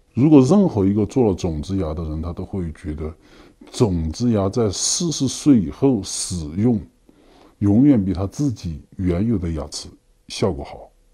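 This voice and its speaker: Speaking fairly slowly with lively intonation, a man uses a fairly low pitch. His loudness swings widely over a quiet background. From Sichuan, China. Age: 40s. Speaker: patient. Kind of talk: interview. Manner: halting, with repetitions and fillers. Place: office.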